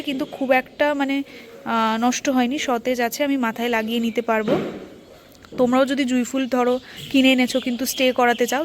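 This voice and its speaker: A woman, chatting casually to her viewers in a vlog while outdoors at a temple. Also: high voice. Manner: chatty, talks to viewers directly. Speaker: vlogger.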